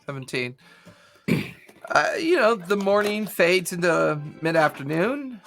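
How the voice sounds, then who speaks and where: A man's voice: high-pitched, sing-song, measured pace, creaky, a bit bright, soft background music. A man running a tabletop game as game master, narrating loosely with fillers over an online call.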